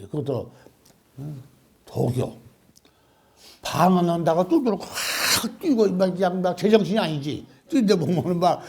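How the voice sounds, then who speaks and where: Animated older monk preaching. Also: male voice, fairly high pitch. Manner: animated, questioning the audience, laughing. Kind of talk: Buddhist dharma talk to a congregation.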